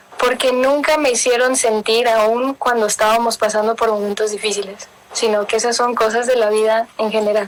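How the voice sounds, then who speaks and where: A woman with a fairly high voice speaks at a moderate pace, her loudness very even and her intonation monotone and flat, while noticeable background noise runs underneath. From Miami, with stays in Mexico. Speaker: singer-songwriter. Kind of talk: interview.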